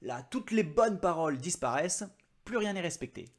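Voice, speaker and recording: A man's voice: a little high, expressive, normal speed. A man hosting his own book review vlog, chatty and joking at his own expense. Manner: chatty, self-mocking asides. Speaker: book vlogger.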